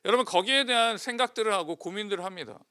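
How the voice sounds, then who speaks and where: A man's voice: sits high, racing, pushed and bright, clear, resonant tone. A male pastor preaching a sermon, putting questions to the congregation and answering them himself.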